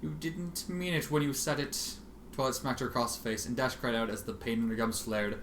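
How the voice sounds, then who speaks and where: A man reading fan fiction aloud in an expressive, sardonic manner, with casual asides. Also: mid-range voice, a little fast. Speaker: amateur fan fiction reader. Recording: roomy, faintly noisy home recording.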